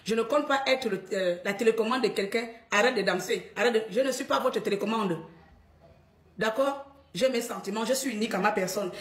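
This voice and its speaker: A woman's voice: fairly high pitch, roomy sound. A middle-aged woman from Gabon with a Cameroonian accent, scolding her followers bluntly in a live stream.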